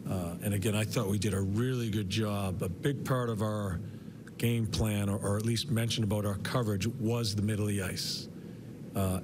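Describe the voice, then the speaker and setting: An older man in his sixties, head coach at a postgame press conference, talks in a fairly low voice, stumbling and repeating words between fillers. He is picked up by a podium mic in an arena press room. A steady hiss of background noise runs under the broadcast feed. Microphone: podium mic, medium camera shot.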